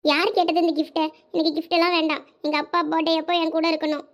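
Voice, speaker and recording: A woman's voice: very high-pitched, flat delivery, very fast. A woman with a Thoothukudi Tamil accent playing a sulky teenage girl who complains about her birthday.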